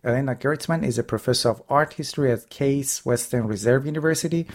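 A man's voice: mid-range voice, fast talker. A man hosting an interview podcast, introducing and questioning guests. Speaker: podcast host.

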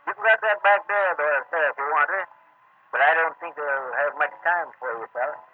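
An actor playing a folksy American roadside bar keeper in a 1940s radio crime drama. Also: male voice, a little high, fairly quick, close to an everyday voice. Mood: casual, curious. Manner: folksy, loose grammar. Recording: narrow-band old radio recording, faint noise.

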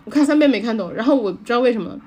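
Woman, podcast co-host, quick talker, slightly high voice, giggly storyteller. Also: expressive, a little mellow. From China. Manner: chatty storyteller, laughs often. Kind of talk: casual chat.

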